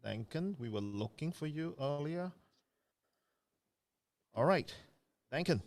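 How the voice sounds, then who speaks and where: A man's voice: on the high side, lively intonation, slow. Chatty man hosting an online event. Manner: chatty, with frequent fillers. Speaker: event host. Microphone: video call.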